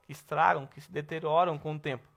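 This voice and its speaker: A Brazilian man teaching a Bible class at church, lively and asking the class questions. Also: a little high, fast, vocal fry. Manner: lively, asks the class questions, says "tá bom?" often.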